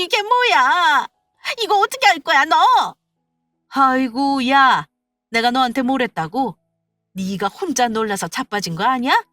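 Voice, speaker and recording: Woman playing a petty older mother-in-law, shrill, nagging, high voice, dry sound. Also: pushed and bright, no echo. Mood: furious.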